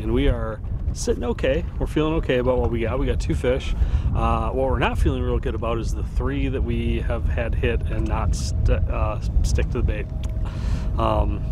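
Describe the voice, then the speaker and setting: Chill guy in his 30s vlogging from a boat on a lake, wind and engine noise behind, lots of uhs. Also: medium pitch. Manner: relaxed, rambling, many "uh"s. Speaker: fishing channel host. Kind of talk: casual fishing vlog. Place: open boat on a windy lake, outdoors.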